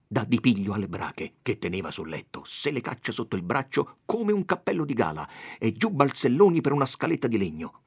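A man reads a classic novel aloud with a husky, slightly breathy voice. His delivery is dramatic and lively, his pitch rising and falling freely. The recording is dry and close. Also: no echo. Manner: expressive, raises pitch for quoted characters. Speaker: audiobook reader. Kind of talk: dramatic literary reading.

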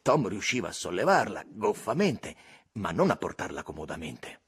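A man reading a novel aloud as an audiobook, with expressive, varied storytelling. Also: on the low side, moderate pace, vocal fry, slightly rough. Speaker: audiobook reader. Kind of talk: audiobook narration.

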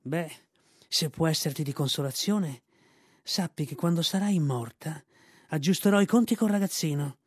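A man's voice: a little high, moderate pace, darkish tone, slightly rough, no room sound. Menacing she-cobra, hissing threats, voiced by a man, dry close sound. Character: cruel female cobra, cold and threatening.

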